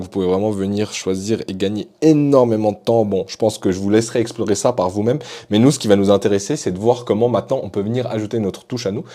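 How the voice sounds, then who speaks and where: Fast-talking enthusiastic man demoing apps. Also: on the low side, warm tone. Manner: enthusiastic, casual. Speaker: tech YouTuber. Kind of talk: app tutorial.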